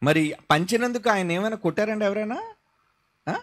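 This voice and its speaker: A male pastor preaching an impassioned sermon, firing rhetorical questions at his listeners and swinging from loud outbursts to soft asides. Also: sits high, fairly quick.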